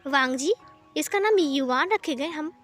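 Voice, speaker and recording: A woman voicing a playful, bossy young man who is a new father, talking in a fussy, teasing, excitable way. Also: sits high, unhurried, faint music behind. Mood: cheerful.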